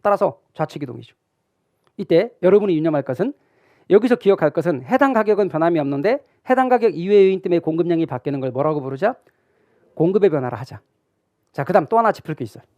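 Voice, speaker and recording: Middle-aged guy teaching a real estate exam class, pretty high voice, dry close sound. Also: quick pace, no echo. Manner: animated, asks students questions and answers them himself; acts out imagined student questions. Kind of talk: classroom lecture.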